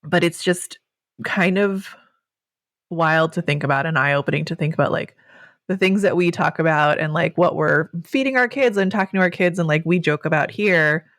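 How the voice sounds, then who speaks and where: A woman's voice: lowish voice, moderate pace, fairly bright tone, no echo, studio quality. A woman hosting a podcast, asking thoughtful questions in a casual chat full of fillers. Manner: thoughtful, uses many fillers. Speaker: podcast host.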